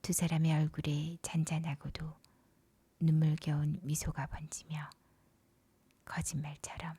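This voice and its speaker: Slow whispering woman telling a bedtime story. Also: sits low, level tone. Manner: whispers softly, breathy and unvoiced; gentle, unhurried delivery with short pauses between phrases. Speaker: narrator retelling a film story for sleep. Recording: soft music behind the whispering. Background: music.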